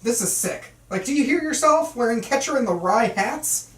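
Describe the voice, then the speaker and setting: A woman's voice: fairly high pitch, expressive, normal speed, a bit bright. Woman reading an uneasy teenage sidekick, roomy sound. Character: uneasy, cautious teenage boy, loyal sidekick. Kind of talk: amateur screenplay table read. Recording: roomy, distant mic.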